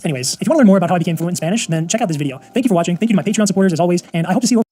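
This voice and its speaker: Give me a confident man explaining language learning at a quick clip, with a mellow tone. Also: sits high, lively intonation. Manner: brisk, confident, advice-giving. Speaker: language-learning video creator. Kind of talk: fast explanatory video monologue.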